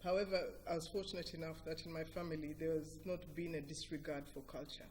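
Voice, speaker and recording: A woman's voice: low-pitched, fairly even intonation, fast talker, a little mellow. Ugandan woman explaining emphatically, noisy recording. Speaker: interview guest, cultural organisation director. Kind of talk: earnest explanatory interview talk. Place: TV breakfast show interview.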